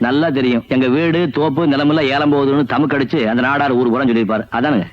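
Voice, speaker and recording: A man's voice: medium pitch, steady tone, fast, slight background noise, lightly acted. A man playing a blunt, stubborn landowner and elder brother in an old film. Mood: wry calm. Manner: blunt, sharp-tongued. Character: proud stubborn village landowner, hot-tempered elder brother. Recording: dull lo-fi film soundtrack with music.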